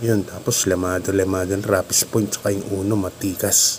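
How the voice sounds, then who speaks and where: Speaking in a monotone, flat way, a man has a very deep, low pitch. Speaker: horse racing tipster. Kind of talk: betting tips commentary. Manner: halting.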